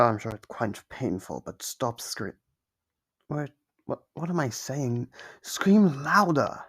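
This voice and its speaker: A man's voice: mid-range voice, heavily acted. A man voicing a sadistic, playful monster holding human prey captive, menacing and theatrical as he muses aloud in an ASMR horror roleplay. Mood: sadistic focus. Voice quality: gravelly, husky.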